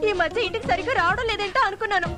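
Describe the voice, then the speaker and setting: Enraged jealous wife; shrill, high, quick, over loud music. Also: female voice. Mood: furious. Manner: shrill accusing. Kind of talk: film dialogue. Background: loud film score.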